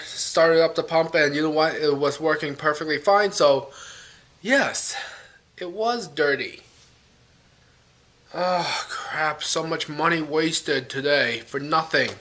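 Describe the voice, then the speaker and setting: A man's voice: fairly high pitch, fairly bright tone. A man rambling casually to camera, thinking aloud and correcting himself with wry asides. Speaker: vlogger. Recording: echoey room.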